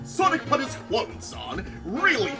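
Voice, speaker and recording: A woman's voice: a little high, huge pitch swings, measured pace, over music. A woman giving a theatrical comedic reading of fan fiction as narrator, with casual banter.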